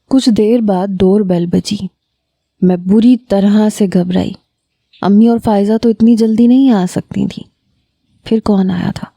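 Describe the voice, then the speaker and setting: A woman narrates a first-person story in a steady, emotive reading. Her voice is dark and mellow. It is recorded dry, with no room sound. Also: medium pitch, no echo.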